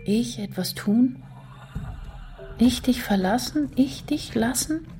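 A woman's voice: fairly high pitch, expressive, slow pace, dark tone, faint music behind. An actress playing an anguished woman writer in a literary radio drama, intense and introspective in a poetic delivery. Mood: resigned devotion. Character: anguished, brooding woman writer losing her sense of self.

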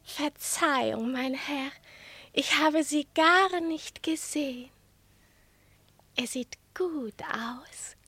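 Squeaky-high, vain little lapdog. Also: female voice, extremely slow, a bit bright, dry recording, full character voice. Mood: coy. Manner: coy, affected, self-admiring. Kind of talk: radio play animal dialogue.

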